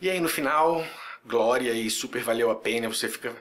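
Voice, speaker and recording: A man in a medium voice talking through a film review. He is casual and chatty, and he keeps slipping into playful impressions of people talking. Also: mid-range voice. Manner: lively, jokey, acts out quick voices and mock dialogue. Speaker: film critic.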